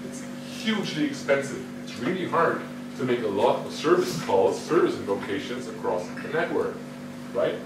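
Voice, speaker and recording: A man gives a conference talk from a distance, his voice ringing around a large echoey hall. He talks in a questioning, lively way and keeps restarting his sentences. Heavy noise sits under the recording. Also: mid-range voice. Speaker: conference speaker. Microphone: no microphone, distant recording.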